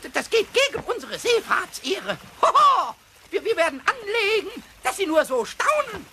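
A man playing a cheeky, boastful little kobold with a squeaky, shrill voice, stammering and repeating words excitedly in a children's radio play. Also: moderate pace, heavily acted. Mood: eager, proud. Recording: faintly noisy old cassette recording.

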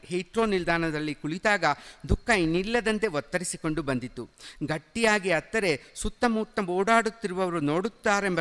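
A man's voice: sits high, fairly bright tone, smooth. A man earnestly reading his own first-person story aloud at a public event. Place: event hall. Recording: long hall reverb.

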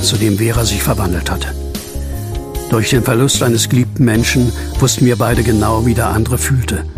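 A male actor plays a brooding narrator telling his own horror tale in an audio drama. His medium-pitched voice has a marked creak, and he speaks in measured, earnest phrases over music. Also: lightly acted. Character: brooding male narrator, former asylum patient fearing werewolves.

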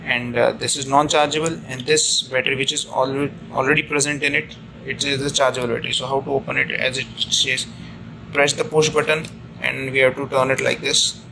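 Standing at a chart table inside a ship, an officer from India walks through a hands-on equipment demonstration in a mid-range, creaky, mostly flat voice. His delivery is halting, with frequent restatements of what he just said. Steady room noise is plainly audible on this amateur handheld phone recording.

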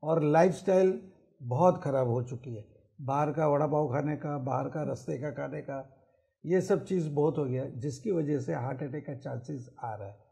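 A man's voice: on the high side, normal speed, gravelly, mellow. A middle-aged man, a cardiologist, giving explanatory answers in a TV studio interview and mixing English phrases into his speech. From Mumbai. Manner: mixes English phrases into Hindi, lists symptoms and risks. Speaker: cardiologist guest. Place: TV studio set.

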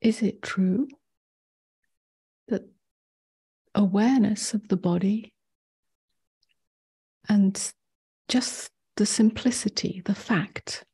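A woman meditation teacher guides a meditation in a soft, breathy near-whisper at medium pitch, speaking gently with long pauses.

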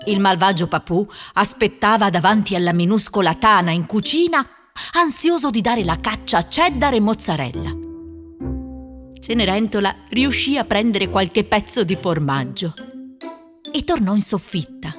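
A woman narrating a children's fairy tale from a script in an expressive storytelling manner. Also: mid-range voice, normal speed, faint music behind.

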